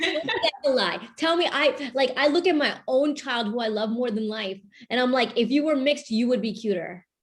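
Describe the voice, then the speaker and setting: Animated and high-pitched, a woman speaks at a moderate pace with lively intonation and hardly any pauses. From US, Pakistani-American. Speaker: podcast host. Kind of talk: casual chat.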